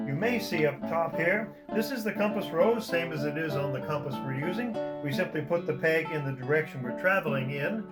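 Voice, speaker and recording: Man acting as Renaissance privateer, hearty instructor, olde-time theatrical speech, slightly high pitch, loud guitar music. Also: close to an everyday voice, low-quality recording. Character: jovial Renaissance privateer surgeon teaching navigation. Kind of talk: Renaissance faire character demonstration.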